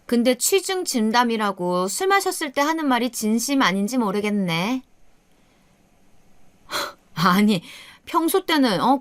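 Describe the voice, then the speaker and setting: A woman's voice: sits high, a bit bright, dry recording. A woman voicing a snide, needling middle-aged sister-in-law in a radio story.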